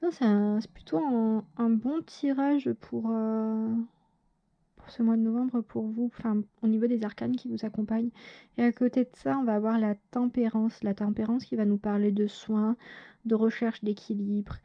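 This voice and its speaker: A woman's voice: a little high, fairly even intonation, normal speed, muffled recording. A woman giving a casual tarot reading to her viewers, talking hesitantly with lots of fillers and self-corrections. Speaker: tarot reader.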